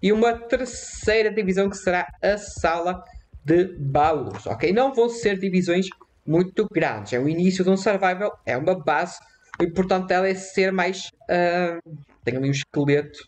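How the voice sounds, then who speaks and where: Excitable European Portuguese gaming man. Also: sits high. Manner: excitable, repeats his phrases, quick panicky outbursts. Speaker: gaming YouTuber. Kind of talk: casual let's-play commentary.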